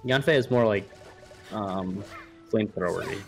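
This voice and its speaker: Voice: sits low, normal speed, faint music behind. A friend chatting casually while playing along in a video game session. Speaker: friend joining the gameplay. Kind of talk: casual gameplay chat.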